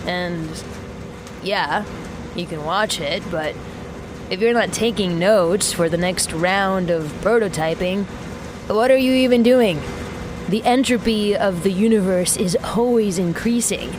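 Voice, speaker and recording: A woman's voice: medium pitch, a little slow, background noise, lightly acted. An actress playing a brash, self-assured young woman mechanic in a sci-fi audio drama, talking wryly into a recording as if interviewing herself. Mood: confident, wry. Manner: wry, self-interviewing, casually sweary.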